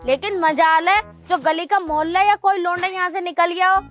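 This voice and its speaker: High bright woman, a woman playing a whining lazy bhabhi, comedy skit, faint music. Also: steady tone, moderate pace, lo-fi sound. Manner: whining, complaining. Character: lazy, whining village sister-in-law.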